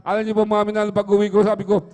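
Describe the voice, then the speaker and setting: A man's voice: sits high, completely flat delivery, very fast, a little mellow. A middle-aged man giving an earnest spoken testimony at a church worship service, repeating his address to the congregation over and over. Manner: earnest, repeats "mga minamahal" constantly. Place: church hall. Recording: livestream with long hall reverb.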